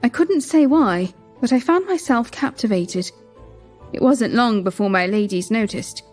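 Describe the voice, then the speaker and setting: Female narrator, slightly high voice, first-person storytelling, faint music behind. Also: lively intonation, a little slow, darkish tone. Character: queen narrating her own story.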